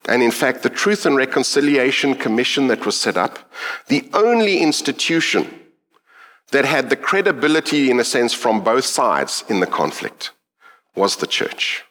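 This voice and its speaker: A man's voice: mid-range voice, big pitch swings, fairly bright tone. South African man giving a reflective sermon. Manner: reflective, earnest, with thoughtful pauses. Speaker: preacher.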